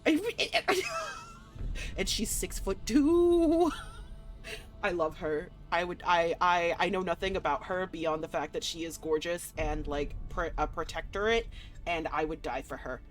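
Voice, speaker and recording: Excitable woman livestreamer over music. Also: lowish voice, unhurried. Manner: excitable, gushing, playful; slangy, swearing. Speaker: live game streamer. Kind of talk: casual livestream chat to viewers. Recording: music behind the voice.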